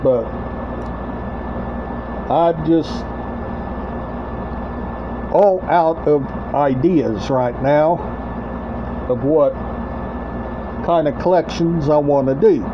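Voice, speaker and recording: Middle-aged male vlogger, slightly high voice, halting and repetitive, casual show-and-tell; dull, noisy home recording. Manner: halting, short broken phrases, repeats himself. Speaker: host of a collection video channel. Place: small room at home, indoors. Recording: dull lo-fi webcam-like sound, clear background noise.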